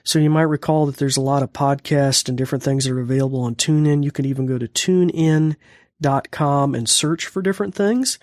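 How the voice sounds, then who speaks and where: An American man hosts a casual how-to podcast in a fairly high voice. The sound is dry and close as he explains and issues spoken commands. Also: brisk, a little mellow, no room sound. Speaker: podcast host and instructor.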